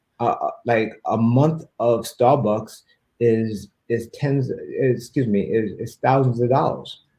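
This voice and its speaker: A man with a Brooklyn accent speaks at medium pitch in a dark, mellow tone. His voice is somewhat breathy, and his intonation stays fairly even. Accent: New York, Brooklyn. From Flatbush, Brooklyn, New York. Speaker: real estate investor and broker. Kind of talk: casual interview chat.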